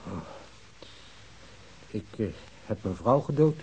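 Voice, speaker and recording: Browbeaten husband, stammering confession, soft dark tone, confused, radio drama, faint hiss. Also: male voice, on the low side, lively intonation, rough recording. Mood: nervous, halting. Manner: halting, stammering, hesitant.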